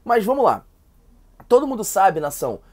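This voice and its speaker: A man's voice: high-pitched, big pitch swings, normal speed, darkish tone. Man, Brazilian Portuguese accent, stuffy cold, nasal voice, chatty fan-channel news host, fillers and repeats. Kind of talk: casual football news vlog.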